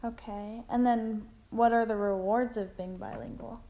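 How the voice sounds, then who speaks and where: A woman's voice: on the high side, steady tone, a little slow, mellow. A woman interviewing someone, asking short, direct follow-up questions.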